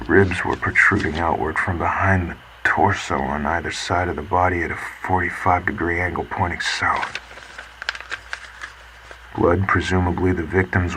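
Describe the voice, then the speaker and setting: An actor playing a grim 1950s man reading a report aloud deliberately, as heard on an old tape. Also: sits low, lightly acted. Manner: deliberate, muttering disgusted asides. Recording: noisy old wire-tape recording.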